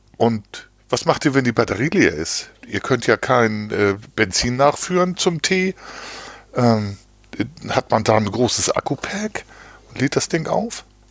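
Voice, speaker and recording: A man speaks at a fairly slow pace with long, frequent pauses. His medium pitch swings very widely, and the sound is dry and close with no echo. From Schleswig-Holstein, northern Germany. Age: 50s. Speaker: podcast co-host. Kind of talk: casual chat.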